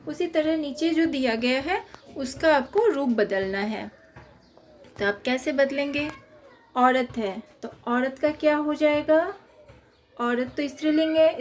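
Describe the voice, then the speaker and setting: A high-pitched woman teaching young children, going slowly through workbook questions and spelling out each answer. She speaks in an unhurried, patient way, as if pausing for them to write it down. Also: darkish tone, a little hiss or hum. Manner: slow, patient explaining, reading questions and dictating answers.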